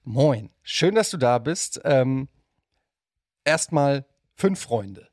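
A middle-aged man hosting a casual interview podcast, joking and phrasing things haltingly. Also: mid-range voice, lively intonation, darkish tone, no echo, clean studio sound. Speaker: podcast host. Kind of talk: casual chat, interviewing a guest.

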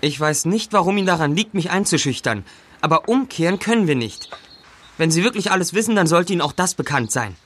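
Lively, high-voiced young investigator. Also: male voice, fast talker. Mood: determined, challenging. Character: young male investigator, determined, inquisitive, undaunted. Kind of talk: German audio drama acting.

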